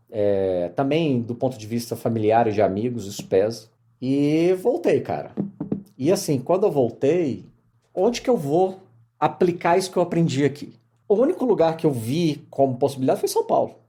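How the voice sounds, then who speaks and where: A middle-aged man from Minas Gerais with a Mineiro accent, telling his career story as a podcast guest in lively casual conversation. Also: mid-range voice. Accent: Mineiro Portuguese. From Minas Gerais, Brazil. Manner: animated storyteller, many fillers.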